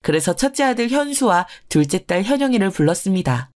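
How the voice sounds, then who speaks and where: A woman's voice: medium pitch, sing-song, a little fast, darkish tone. A woman in her forties narrating her own story in a scripted, confiding first-person way.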